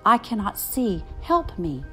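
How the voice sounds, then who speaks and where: Storybook Bible supplicant, played by a woman, plaintive, imploring, soft music behind. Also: medium pitch, sing-song, measured pace, pitched below the performer's own voice, low-quality recording. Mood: pleading.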